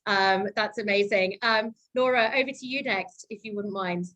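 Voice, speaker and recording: A woman hosting an online panel over a video call, effusive and quick to thank each guest. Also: mid-range voice, fairly bright tone, low-quality recording. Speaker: webinar host.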